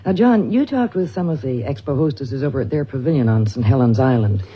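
A man's voice: medium pitch, lively intonation, fairly quick, highs cut off, slight background noise. A man presenting a 1960s broadcast, handing over to a reporter with jaunty patter. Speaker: radio broadcaster.

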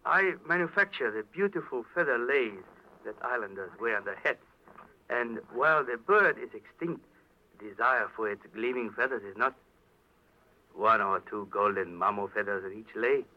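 An actor playing a smug, suave villain in a 1940s-style radio drama, talking in a precise, formal, mock-courteous way. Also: male voice, medium pitch, animated, normal speed, lightly acted. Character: suave, smug male Chinese crook, art-goods company president. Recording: dull old radio broadcast recording.

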